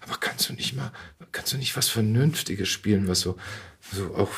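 Guy in his 50s, really low slightly rough husky voice, chatting thru his memories in an interview, kinda halting. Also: fairly bright tone. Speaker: actor and podcast guest. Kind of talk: casual interview storytelling.

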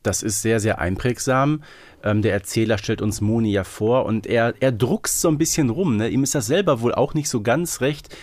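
A man's voice: medium pitch, normal speed, darkish tone, dry recording. A man co-hosting a podcast, talking casually and loosely with frequent tag questions. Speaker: podcast co-host. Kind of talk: casual conversational podcast discussion.

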